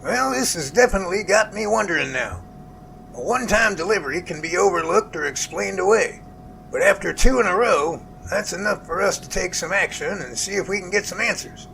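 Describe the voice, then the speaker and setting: A man playing a jovial, earnest research professor in an amateur audio drama, with animated, folksy phone talk. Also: high voice, fairly quick, creaky, a little hiss or hum, full character voice, rough recording. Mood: concerned, intrigued.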